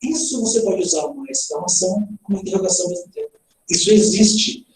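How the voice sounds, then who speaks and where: A man teaches grammar in a lively, playful manner and keeps tossing questions to his students. His voice swings widely in pitch and has a soft, mellow tone. He is heard from a distance in a very echoey room, with faint background noise. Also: quick pace. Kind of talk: recorded online grammar lesson. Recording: roomy echo, heard from a distance.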